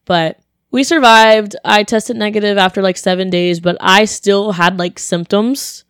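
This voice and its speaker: A young woman, a college student, telling a story in casual chat, her voice deeper than usual and a bit congested, with lots of "like" and acted-out quotes. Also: a little slow, clear, resonant tone, no room sound, clean studio sound. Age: young adult. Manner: chatty, animated, lots of "like", acts out quotes.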